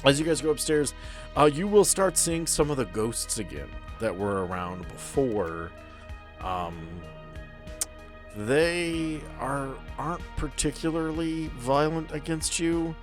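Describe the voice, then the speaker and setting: A man running a tabletop game as game master, describing scenes in a relaxed way with dry humor. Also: on the high side, slow pace, over music.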